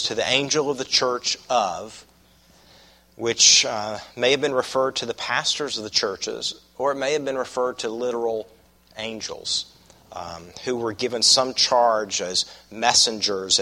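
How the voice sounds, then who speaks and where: Croaky Southern preacher, bright forceful voice. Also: male voice, lowish voice. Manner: folksy, deliberate, repeats phrases for emphasis. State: croaky from a cold and cough. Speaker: pastor preaching to his congregation. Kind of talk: expository sermon.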